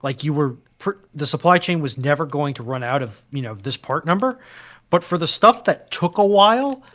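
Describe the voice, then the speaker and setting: A man's voice: a little high, lively intonation, moderate pace, a bit bright. A man on a discussion panel, explaining things in a casual, conversational way.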